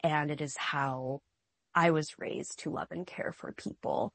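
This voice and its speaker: A young adult woman from Minnesota, answering interview questions in a slow, reflective, earnest way. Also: low-pitched, steady tone, vocal fry, fairly bright tone, no room sound. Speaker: guest, artist.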